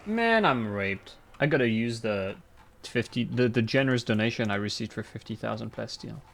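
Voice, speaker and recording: A male streamer chatting casually as he plays. His voice sits at an ordinary middle pitch, and he cracks crude jokes and laughs often. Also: lively intonation, normal speed, vocal fry, fairly bright tone. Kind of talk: casual gaming chat.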